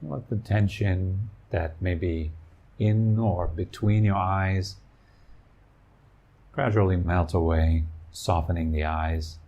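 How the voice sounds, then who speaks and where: Male meditation teacher: very low, gravelly voice, soothing short phrases, gentle guided instruction. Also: steady tone, highs cut off. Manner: soothing, unhurried pauses between short phrases.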